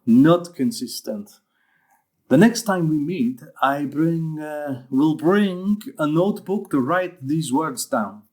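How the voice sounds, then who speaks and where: An actor playing a gentle, courting foreign man who is learning English and searches for his words. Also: a little high, animated, slow pace, husky, full character voice. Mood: hesitant, hopeful. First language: not English, a learner of English.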